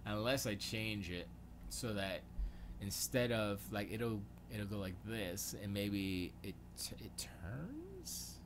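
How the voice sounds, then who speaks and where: A man from Florida with a lowish voice hosts a laid-back livestream from his home studio. He thinks aloud as he works, muttering questions to himself and letting sentences trail off. A steady hiss of noise sits clearly under the recording. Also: takes it slowly. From Florida, USA. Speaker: livestream host.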